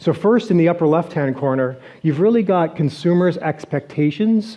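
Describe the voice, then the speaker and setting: An unremarkable speaking voice with ordinary pitch variation, moving at a fairly quick pace. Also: man. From Canada, Toronto. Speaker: business executive and investor. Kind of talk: conference keynote presentation. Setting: stage with audience and live translator.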